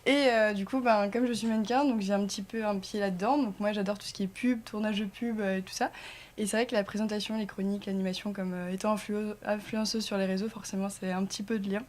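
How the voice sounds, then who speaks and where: Casual, halting female guest. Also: mid-range voice, steady tone, a little mellow. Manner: halting, searching for words. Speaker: talk show guest, model. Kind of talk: casual interview chat. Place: TV studio.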